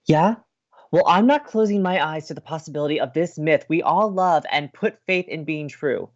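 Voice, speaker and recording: Earnest, idealistic young radio co-host. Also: male voice, fairly high pitch, lively intonation, normal speed, dull audio. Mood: earnest, determined. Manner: sincere, determined, dreamy. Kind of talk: naturalistic audio drama acting.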